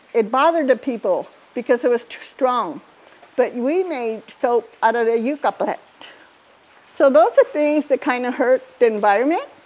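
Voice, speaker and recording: A woman's high-pitched voice at a moderate pace, with ordinary pitch variation. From Southern California, Tongva people. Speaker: Tongva elder and culture officer. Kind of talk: educational talk. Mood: calm, gentle storytelling.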